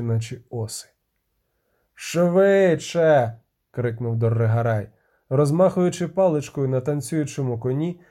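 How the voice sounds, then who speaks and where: A man's voice: a little high, mellow. A man narrating a fantasy audiobook with tense, vivid delivery.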